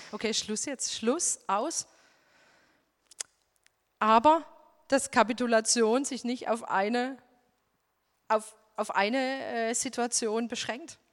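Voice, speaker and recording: A woman preaches with earnest emphasis and keeps filling pauses with a soft "ja." Her voice sits somewhat high. A long hall reverb trails every phrase, as if she were recorded in a large church room. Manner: earnest, emphatic, many "ja" fillers. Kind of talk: sermon with personal testimony.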